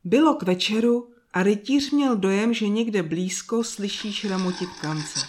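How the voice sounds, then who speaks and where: A woman narrating a children's fairy tale in a calm, soft and slow reading voice. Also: medium pitch. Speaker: storyteller. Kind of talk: scripted storybook narration.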